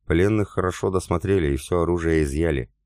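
Male narrator as an old, shrewd sergeant, deep and plain. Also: fast, a little mellow, no echo, clean studio sound, close to an everyday voice. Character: shrewd seasoned German sergeant, older man.

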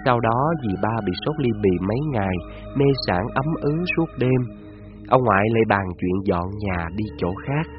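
A man, narrating a scripted story in a measured, descriptive way. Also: on the low side, muffled recording, music in the background.

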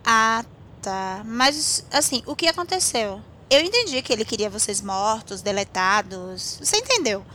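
An inquisitive, teasing female friend played by a woman in an audio drama. Her voice is high and bright, with lively swings of intonation and an informal, chatty way of talking. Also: normal speed, slight background noise. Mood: curious. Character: curious, teasing female listener to a friend's tale. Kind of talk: scripted audio drama, conversational.

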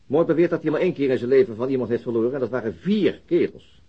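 A man's voice: mid-range voice, animated, fast talker, husky, lo-fi sound. A man playing a sober, middle-aged police detective in a naturalistic radio drama, matter-of-fact and guarded. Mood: dry, narrating.

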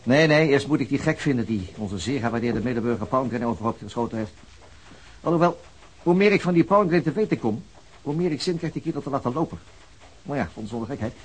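An actor playing a fed-up police investigator in a radio drama, brisk and frustrated. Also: male voice, medium pitch, natural voice, low-quality recording. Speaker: police detective.

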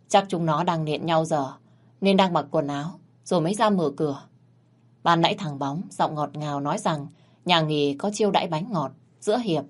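A woman narrating an audio story in an even, matter-of-fact way. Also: low voice.

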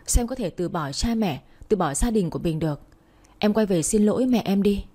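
A woman's voice: mid-range voice, lively intonation, a little fast, warm tone, lightly acted. A woman voicing a stern young man who keeps scolding and urging his girlfriend, in a storybook reading. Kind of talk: storybook narration.

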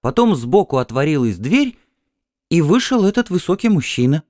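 A dreamy Martian wife, as a male narrator puts her on, her voice raised high and swooping with lively wonder. She sounds breathless and insistent, caught up in a strange vision. The audiobook read is dry and close. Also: normal speed, no echo. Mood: dreamy, excited. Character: dreamy, excitable Martian wife, adult woman.

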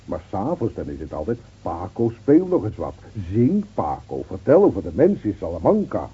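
Placid gendarme, very dark low voice. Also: male voice, wildly swooping pitch, husky, heavily acted. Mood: tolerant, persuasive. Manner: soothing, wry, unhurried reasoning. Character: placid, world-weary senior village gendarme, tolerant and wry. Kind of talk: Dutch radio play acting. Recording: dull, muffled old radio recording.

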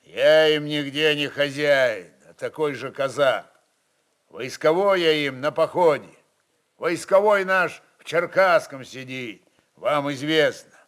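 A man's voice: on the high side, slow, fairly bright tone. A man voicing a defiant, fierce Cossack chieftain in a dramatized reading, with blunt, challenging, folksy speech. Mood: quiet menace.

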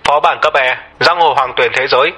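Cold impersonal male system voice, played by a man, bright and husky, for an audio story. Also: medium pitch, brisk, soft background music. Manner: flat announcing, cold and impersonal.

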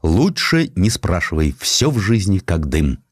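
A man's voice: low-pitched, sing-song, measured pace, dry recording, heavily acted. A man voicing a bitter, weary, despairing middle-aged Russian general in an audiobook, plain-spoken and disillusioned. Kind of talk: audiobook character dialogue.

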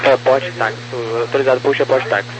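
A man with a Brazilian accent giving clipped air traffic control clearances over aviation radio. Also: mid-range voice, steady tone, fast, dull audio. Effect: aviation radio communicator. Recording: noisy, humming aviation radio.

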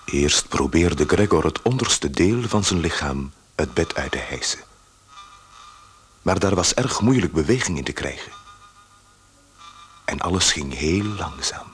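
An actor as a grave, measured storyteller giving literary narration in a radio play. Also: male voice, rumbling low, expressive, a bit bright, soft background music, exaggerated voice.

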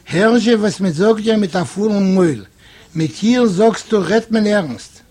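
Husky-voiced man reading a story aloud. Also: high voice, measured pace. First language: Yiddish. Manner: expressive storytelling with quoted dialogue. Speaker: reader. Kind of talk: literary reading.

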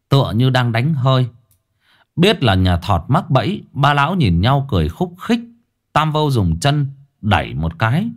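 A man narrating a folksy ghost story in a lively way. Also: medium pitch.

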